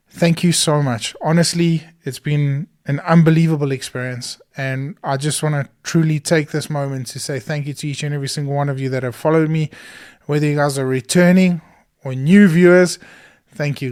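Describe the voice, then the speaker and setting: A man talks through a solo podcast episode in a small studio. His voice is hoarse and a little high for a man. He sounds earnest and keen, with plenty of fillers between his thoughts. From South Africa. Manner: earnest and enthusiastic, many fillers. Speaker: podcast host.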